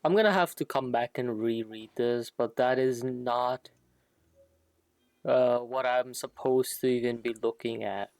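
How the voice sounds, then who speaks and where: A man's voice: medium pitch, unhurried, darkish tone, dry recording. A man doing casual gaming stream commentary, rambling and thinking aloud with some salty language. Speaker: game livestreamer.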